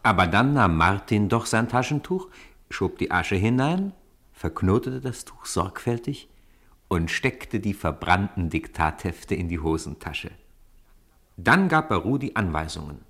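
A man with a fairly low voice narrates a story for a children's radio play. He delivers scripted storytelling between the acted scenes. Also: very animated, a little slow, a bit bright.

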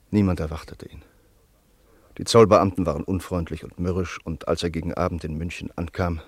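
A man narrating a German radio play in a sober, measured and solemn style. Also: sits low, husky, no room sound.

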